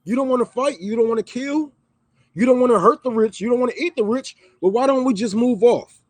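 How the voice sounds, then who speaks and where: A man's voice: very high voice, brisk, dry recording. A man on a livestream, ranting heatedly and with profanity, repeating lines for emphasis. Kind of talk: livestream rant. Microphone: microphone.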